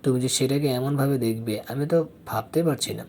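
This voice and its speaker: A blunt young man who says things straight to people's faces and teases them when they push back, read by a man narrating a storybook. The pitch sits at an ordinary middle height, only a little lifted from the reader's own voice. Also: fairly quick, darkish tone, a little hiss or hum, natural voice. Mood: firm. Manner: blunt, teasing.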